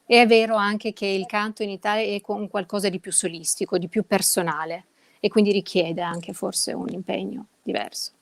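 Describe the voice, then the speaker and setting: A woman from Sweden talks reflectively as a guest singer, pausing often to find her words. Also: mid-range voice, steady tone, gravelly, no echo. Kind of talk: unscripted reflective talk.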